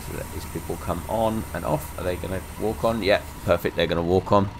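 Croaky low-voiced man playing a game. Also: steady tone, fairly quick, noisy background. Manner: rambling, many fillers, chatty asides. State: croaky from illness. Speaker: gaming channel host. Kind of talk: casual let's-play commentary.

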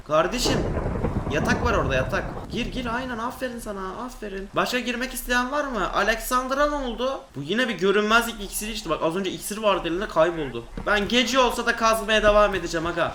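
Young male gaming streamer, high bright voice, excitable jokey commentary, slightly echoey room. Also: slight background noise. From Turkey. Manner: excitable, joking, talks to the viewers and game animals. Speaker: gaming YouTuber. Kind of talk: Minecraft gameplay commentary.

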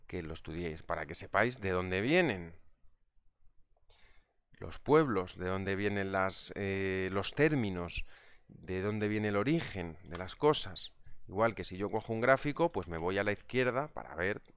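Chatty man, smooth low voice. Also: expressive, a little slow, fairly bright tone. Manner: chatty, reads out viewer comments. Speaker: trading instructor. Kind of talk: live market analysis webinar.

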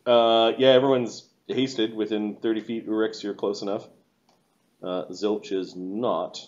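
A man's voice: fairly low pitch, steady tone, unhurried, darkish tone, muffled recording. A middle-aged man running a tabletop game as game master, casually narrating and explaining rules over an online call. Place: indoor room, video call.

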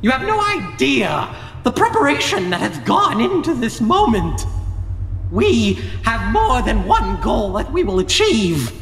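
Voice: medium pitch, wildly swooping pitch, a little slow, gravelly, fairly bright tone, roomy sound, in a large hall, slight background noise, voice pushed up, exaggerated voice. A game master voicing a haughty, gloating villain who schemes and lectures an underling in a fantasy audio game.

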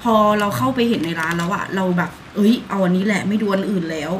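A woman's voice: mid-range voice, fast talker, slight background noise. A young woman chatting politely and gushing like a fan in a casual vlog, filmed on a phone held at arm's length while she walks outdoors and sits in a café. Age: young adult. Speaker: vlogger. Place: outdoors on a city street and in a café. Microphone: phone camera held at arm's length.

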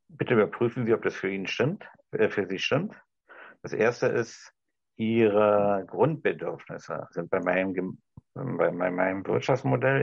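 A middle-aged man with a restrained Berlin German accent gives an improvised address, halting and choosing his words carefully, with a gravelly, husky voice. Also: on the low side, dry recording. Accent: Berlin German, restrained toward High German. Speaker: discussion participant. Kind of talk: improvised speech to an imagined TV audience. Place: small room indoors. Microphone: video call, device at some distance. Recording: dull, lo-fi video-call audio.

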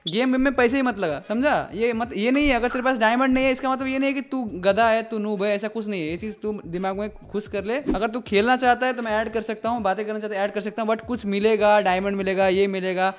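A young man with a notably high voice and an Indian accent. He talks casually like a gaming streamer, close on a studio mic in a small room, with music underneath. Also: fast, hardly any pauses. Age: 20s. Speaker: gaming YouTuber hosting. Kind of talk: casual prank-call chat. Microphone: boom-arm studio microphone up close.

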